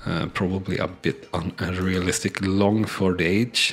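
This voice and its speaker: A man talks at a very slow pace in a fairly low voice. His tone is relaxed and gentle. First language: not English. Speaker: gaming YouTuber. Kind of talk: let's play commentary. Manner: halting, many uh fillers; relaxed, gentle.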